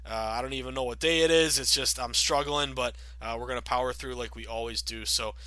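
Man, 30s, podcast host, slightly raspy from a cold, chatty, fillers, bright voice, dry close sound. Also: medium pitch, steady tone, a little fast, no room sound. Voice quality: upbeat, chatty with many fillers. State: sick with a cold, a bit raspy. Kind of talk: casual sports betting podcast monologue.

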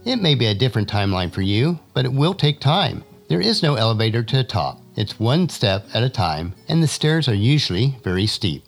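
A man's voice: medium pitch, big pitch swings, a little fast, creaky, hardly any pauses, faint music behind. A man, likely in his later years, hosting a podcast and delivering a scripted motivational monologue in an earnest, preacherly way. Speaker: podcast host.

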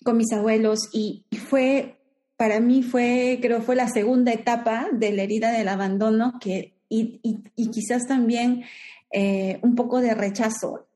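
This is a woman in her forties with a Peruvian accent, talking as an interview guest. Her voice sits a little high but sounds warm and soft. She reflects out loud, often restarting phrases and pausing on fillers. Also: fairly even intonation. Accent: Peruvian Spanish. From Peru. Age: 40s. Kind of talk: conversational interview.

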